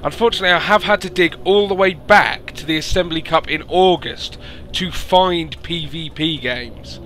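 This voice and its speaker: Hoarse man casting a game. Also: fairly high pitch, moderate pace, slight background noise. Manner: rises to excited announcing at big moments. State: losing his voice. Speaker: esports caster and show host. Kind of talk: solo game commentary.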